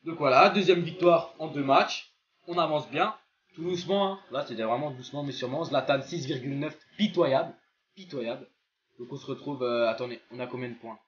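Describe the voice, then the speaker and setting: A young man gives casual, excited commentary on a football video game, slangy and prone to swearing and exclaiming at plays. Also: medium pitch, brisk, a little hiss or hum. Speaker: gaming video creator playing a football game. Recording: dull lo-fi voice track with music behind.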